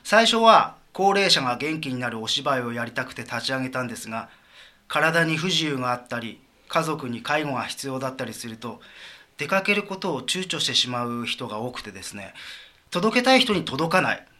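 A man's voice: mid-range voice, animated, brisk, pushed and bright. A man from a visiting theater troupe, explaining their work earnestly in a radio interview. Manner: earnest, explanatory, with light laughs.

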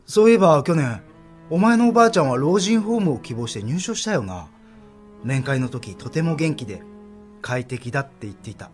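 A man acting as a caring middle-aged son in a radio drama, earnest and gentle, his voice dropping low when he worries. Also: big pitch swings, brisk, soft background music.

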